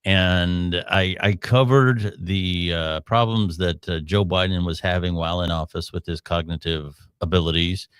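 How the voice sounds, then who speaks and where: A man's voice: low voice, steady tone, measured pace, few pauses, a bit bright, clean tone, no room sound, clean studio sound. A man hosting a live podcast, giving opinionated commentary in a rambling way with frequent restarts. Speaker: podcast host.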